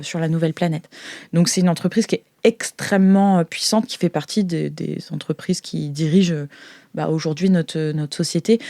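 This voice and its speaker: Woman game master making it up as she goes, lowish soft-edged voice, really dry sound. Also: no room sound. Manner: hesitant, improvising as she narrates. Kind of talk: improvised tabletop game narration.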